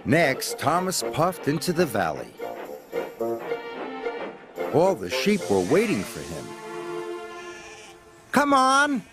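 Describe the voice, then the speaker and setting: Expressive older American storybook narrator. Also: male voice, medium pitch, slow pace, long pauses. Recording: narration with music underneath. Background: music.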